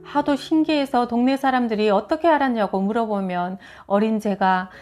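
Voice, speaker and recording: A woman reading first-person testimony stories as a scripted narration, in a measured read-aloud manner. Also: fairly high pitch, darkish tone. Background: background music.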